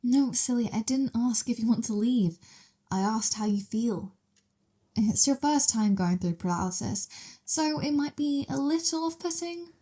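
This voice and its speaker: A woman playing a childlike, excitable vampire mistress in an ASMR roleplay, with a gleeful, teasing, innocent manner. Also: on the high side, measured pace. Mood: teasing, curious.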